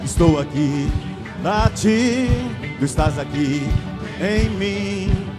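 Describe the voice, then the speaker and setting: Brazilian man singing worship over loud band. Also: high-pitched, animated, very slow. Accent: Brazilian Portuguese. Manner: leads the congregation with call-outs between sung lines. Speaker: worship leader. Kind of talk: singing congregational worship song. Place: church sanctuary. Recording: loud band music under the voice. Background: live band music.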